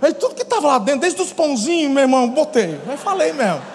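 A man with a Brazilian Portuguese accent, a pastor telling lively stories in a sermon, acting out scenes with shouts and laughter. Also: very high voice, fast. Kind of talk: storytelling sermon. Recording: long hall reverb, faint noise.

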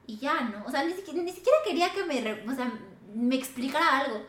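A woman with a Mexican accent hosting a podcast, telling a story in animated casual chat, swearing a lot and acting out what people said. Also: high-pitched, a little fast, reverberant. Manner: animated, swears a lot, acts out quoted dialogue. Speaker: podcast host.

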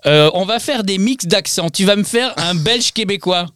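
A man's voice: sits high, lively intonation, moderate pace, fairly bright tone, smooth, no echo, studio quality. A man hosting an improvised comedy show, playful and teasing with his guests. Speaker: host.

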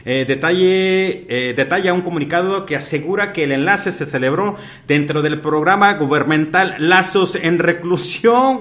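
A man's voice: a little high, fairly bright tone. A man with a Mexican accent hosting a podcast in casual chat, full of crude slang and swearing fillers. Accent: Mexican Spanish. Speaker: podcast host.

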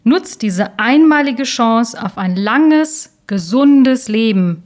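Brief: smarmy, booming male spokesman, syrupy and fake, played by a woman reader. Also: animated, takes it slowly. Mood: gushing. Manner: loud, syrupy and exaggerated.

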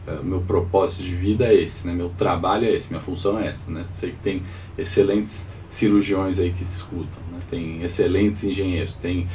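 A Brazilian man hosts a live financial morning call, chatting informally about the market and taking audience questions. His low, fairly even, slightly mellow voice moves at normal speed but sounds congested and sore from a cold, as though his tonsils were swollen. The mic is distant, with faint background noise.

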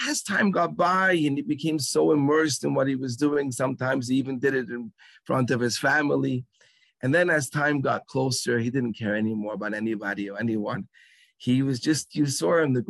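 A man with an English accent tells a story to a gathering, acting out lines and leaning on dramatic pauses. His voice sits at an everyday middle pitch. The sound is dry and close. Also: vocal fry, dry recording. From England. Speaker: speaker at a gathering. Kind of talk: storytelling talk at a religious gathering.

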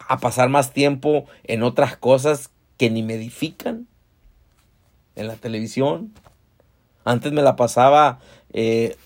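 Gravelly pastor preaching conversationally. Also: male voice, mid-range voice, darkish tone. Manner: conversational preaching, addresses the congregation as brothers, rhetorical questions. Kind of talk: sermon.

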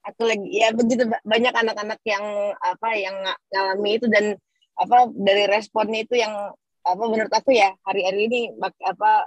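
A woman's voice: medium pitch, steady tone, fairly quick, no echo, highs cut off. A woman joining a video call, speaking casually and hesitantly with many restarts and fillers, thanking the speaker. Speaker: participant on call. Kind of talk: casual chat.

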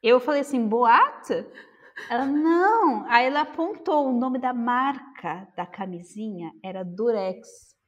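A woman from Brazil telling a lively anecdote in casual chat, acting out the dialogue. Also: on the high side, unhurried. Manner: animated, acts out the dialogue. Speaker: storyteller.

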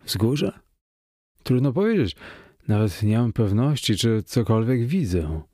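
A man's voice: medium pitch, a little slow, no room sound, studio quality. A man voicing a wild, superstitious tribesman guide in an audiobook, calling out in wonder. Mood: uneasy. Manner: excited, exclaiming.

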